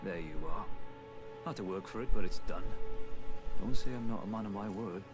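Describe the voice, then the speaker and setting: An actor playing a stern male warrior in a fantasy video game, speaking in a grave, measured, solemn way. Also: lowish voice, loud music behind the voice, close to an everyday voice. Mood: gruff.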